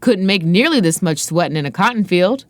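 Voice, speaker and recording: A woman's voice: on the low side, lively intonation, a little fast, no room sound, lightly acted. A woman voicing a grinning, blustering fat white promoter with a falsely jovial drawl. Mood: condescending.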